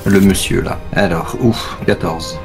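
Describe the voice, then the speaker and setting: A man's voice: deep voice, measured pace, music in the background. A man talking casually as a player in a tabletop role-playing game.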